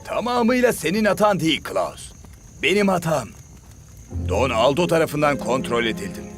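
A man's voice: a little high, sing-song, moderate pace. A man voicing an earnest young male football star in a cartoon dub. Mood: remorseful. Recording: music behind the voice.

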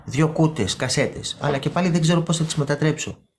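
Speaking in a low, slightly mellow voice with lively intonation, this woman runs a relaxed live stream. She gossips with her audience, calls out viewers by name, and says words twice for emphasis.

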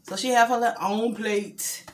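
A woman's voice: fairly high pitch, fairly even intonation, normal speed. Chatty woman at the dinner table. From Louisiana. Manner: chatty, coaxing a toddler to eat. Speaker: family vlogger. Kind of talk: casual mealtime vlog chat. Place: home dining table. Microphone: camera set back from the table. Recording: noisy home camera audio.

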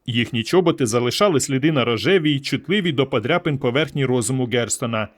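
Male audiobook narrator, steady storytelling delivery, mid-pitched voice. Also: quick pace. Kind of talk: audiobook reading.

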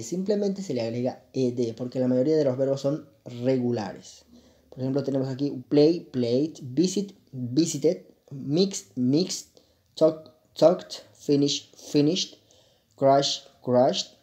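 Male teacher, remote English class, reassuring step-by-step explainer with a deep mellow tone. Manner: explains step by step, switching between Spanish and English; reassuring, repeats words slowly. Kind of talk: bilingual remote English lesson.

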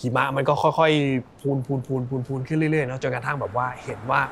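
Fast-talking man telling a ghost story. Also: mid-range voice, gravelly. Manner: animated retelling with repeated words and acted quotes. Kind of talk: casual spoken storytelling. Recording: background music behind the voice.

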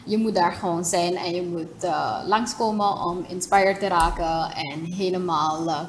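A woman's voice: on the low side, normal speed. Casting: young woman, Surinamese accent, casual organiser interviewed in a studio, slight background noise. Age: young adult. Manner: informal, mixes English words into speech. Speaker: guest, event organiser. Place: TV studio, seated at desk.

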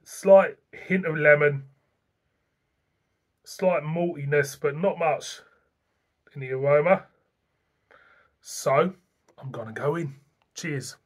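A middle-aged man talks through a tasting in a loose, chatty way. His voice sits a little high for a man. He is recorded on a desk camera in a small room at home. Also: slow, long pauses. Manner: chatty, rambling, plain-spoken. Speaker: beer reviewer. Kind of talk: casual beer-tasting review to camera.

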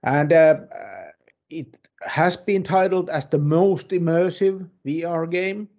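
A man's voice: fairly high pitch, slow, a little mellow, lo-fi sound, pitched above the performer's own voice. A man playing a bumbling, easygoing gaming correspondent, rambling hesitantly through a comic news report.

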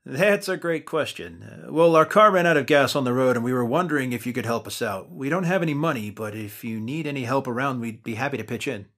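A man's voice: mid-range voice, expressive, fairly quick, few pauses, a bit bright. An actor playing a weary young man who keeps his two bumbling companions in line, with an exasperated straight-man delivery. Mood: polite. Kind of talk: audio drama acting.

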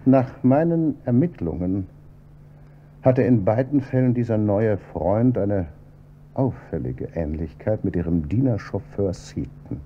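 An actor playing an insistent police inspector in a German radio crime drama, questioning in a measured, pointed way. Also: male voice, lowish voice, animated. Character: probing male police inspector, calm and insistent. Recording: dull old radio recording with faint hum.

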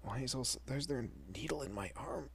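A man playing a protective, easily bewildered young husband and father in an audio roleplay, with a husky, breathy, often whispering voice and halting, muttering delivery. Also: medium pitch, lively intonation, fairly bright tone, exaggerated voice. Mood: groggy, confused. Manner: halting, muttering, mild swearing.

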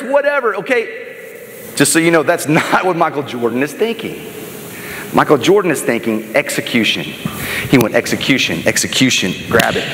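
The recording comes from an echoey indoor auditorium with noticeable background noise, where a middle-aged American man gives a motivational keynote on a large stage. His voice is fairly high and fairly bright, and his storytelling is animated, emphatic, dramatic and conversational.

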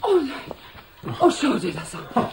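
A woman's voice: high voice, sing-song, takes it slowly, noisy background, full character voice. A woman playing a fussy, easily dismayed mother in a children's audio drama.

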